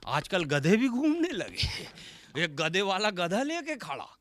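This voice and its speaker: A man performs stand-up comedy in a flavour, his fairly high voice leaping around in pitch. He acts out each character and stretches verse lines into a sing-song chant. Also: slow pace. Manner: animated, acts out quoted characters with sudden pitch jumps. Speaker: stand-up comic poet. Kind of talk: stage comedy storytelling.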